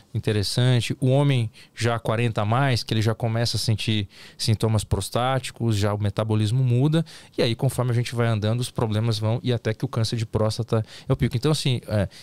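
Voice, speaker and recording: Heard dry and close with no echo, a man speaks at a fairly quick pace and medium pitch, with fairly even intonation and very even loudness. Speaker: urologist hosting a health podcast. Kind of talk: podcast interview. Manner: hesitant, repeats words.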